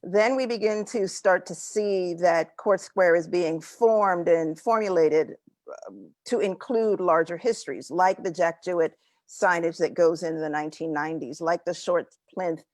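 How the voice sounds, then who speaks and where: A woman with a lowish voice moderates a panel, asking long, searching questions. She circles back on repeated words as she thinks aloud. The sound is close and dry. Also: unhurried, a little mellow, no echo. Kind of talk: panel discussion.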